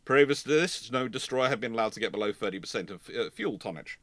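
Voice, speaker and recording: A man's voice: mid-range voice, animated, quick pace, fairly bright tone, no room sound. A man hosting a history livestream, giving casual expert commentary in an explanatory, digressive and emphatic way.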